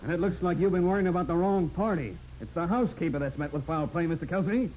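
An actor playing a gruff, suspicious neighborhood policeman in a 1940s radio drama, with blustering, colloquial tough talk. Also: a little high, expressive, fast, darkish tone, close to an everyday voice, rough recording. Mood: skeptical, puzzled. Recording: old radio recording, faint hum.

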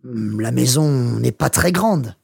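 An actor playing a retired English teacher in his sixties, reading a scripted journal in measured, simple learner's French. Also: medium pitch, expressive, creaky, breathy edge, no echo, clean studio sound, exaggerated voice. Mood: content, reflective. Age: 60s. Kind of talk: scripted first-person journal read aloud for language learners.

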